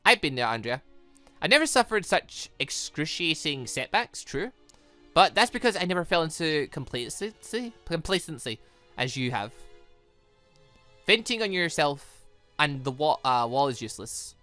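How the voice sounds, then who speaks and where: Man voicing a smug, bright-voiced lecturing villain. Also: a little high, very animated, soft background music. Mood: pompous, lecturing. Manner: pompous, lecturing, deliberate. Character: smug, theatrical, condescending male villain in a lab coat.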